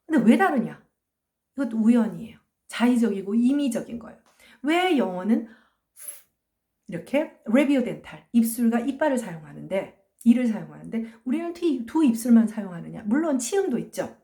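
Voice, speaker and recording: A woman teaching a phonology lecture. She explains patiently, asks questions and answers them herself, and says sounds slowly to show them. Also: fairly high pitch, big pitch swings, mellow. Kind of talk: recorded online lecture.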